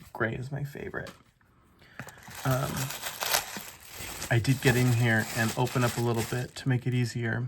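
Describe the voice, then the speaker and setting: Noticeable background noise sits behind a man's voice. His medium pitch holds fairly even intonation. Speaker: nail art youtuber. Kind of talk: product unboxing. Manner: hesitant, many fillers.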